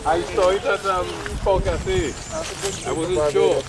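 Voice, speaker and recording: A man's voice: sits high, steady tone, slow. A man chatting casually and easily outdoors. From Barbados. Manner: casual, easygoing. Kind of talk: casual chat. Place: outdoors in botanic gardens. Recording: outdoor field recording with loud crowd. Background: loud crowd.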